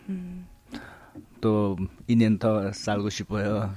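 A man with a Nepali accent talks at a very slow pace. His voice is fairly low with a dark, mellow tone and ordinary pitch variation. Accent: Nepali-accented Korean. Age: 30s. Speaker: migrant worker. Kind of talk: peer interview in halting Korean. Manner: halting.

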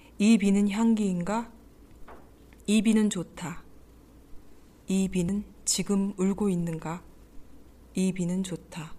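Very slow with long, frequent pauses, a woman speaks in a flat monotone, her voice somewhat breathy with a dark, mellow tone. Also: medium pitch for a woman. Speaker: reading group participant. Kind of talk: poetry reading discussion.

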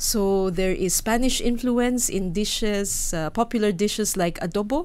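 Audible room echo surrounds a woman with a Filipino accent whose pitch is fairly high. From Philippines. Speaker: ambassador. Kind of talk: interview. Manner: halting with frequent fillers.

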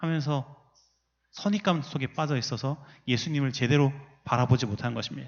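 A man speaks at a moderate pace, his voice somewhat breathy. He leaves long pauses, and they come often. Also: fairly high pitch for a man, ordinary pitch variation. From South Korea, Yongin. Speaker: pastor. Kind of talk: sermon.

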